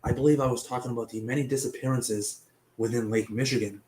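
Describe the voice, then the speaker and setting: A man's voice: mid-range voice, fairly even intonation, fast talker, darkish tone, a little hiss or hum, rough recording. A young man hosting a casual online mystery show, chatty and a bit profane, stumbling over names, with a cough and a partly lost voice. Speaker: host. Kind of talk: casual web show narration.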